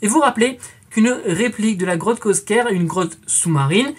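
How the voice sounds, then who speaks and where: A woman's voice: mid-range voice, animated, moderate pace, breathy edge. A woman in her twenties hosting a scripted educational quiz, chatty and playful, calling her viewers friends and adding jokey asides. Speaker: quiz show host.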